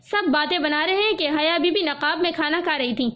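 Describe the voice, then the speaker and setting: A woman's voice: high voice, dull audio, lightly acted. Woman reading as a reproachful angry uncle. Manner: sharp, reproachful. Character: angry middle-aged uncle, a man.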